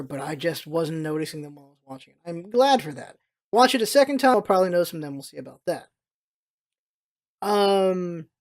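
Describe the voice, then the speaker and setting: Emphatic vlogger with a mid-pitched voice. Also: a little mellow. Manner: emphatic, exasperated ranting. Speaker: vlog host. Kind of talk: casual opinionated movie commentary.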